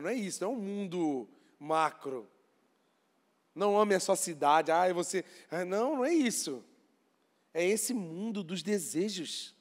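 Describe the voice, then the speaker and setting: A man, preaching a lively, conversational sermon as pastor in a church. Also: high-pitched. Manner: lively, conversational preaching with dramatic acted-out voices. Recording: church hall with long reverb.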